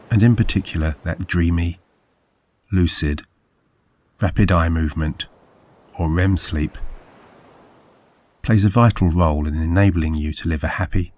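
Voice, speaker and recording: A man narrating a scripted guided sleep meditation as a hypnosis guide, soothing and measured, with deliberate phrasing. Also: deep voice, darkish tone.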